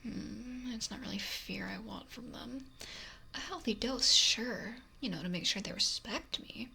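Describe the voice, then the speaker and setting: A woman voicing a possessive, lonely, wealthy female mafia boss in a whispery, breathy, domineering ASMR roleplay, close to the microphone. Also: fairly high pitch, unhurried, pushed and bright, exaggerated voice. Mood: bitter, lonely. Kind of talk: intimate ASMR roleplay monologue. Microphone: close binaural microphone. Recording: noisy close binaural whisper recording.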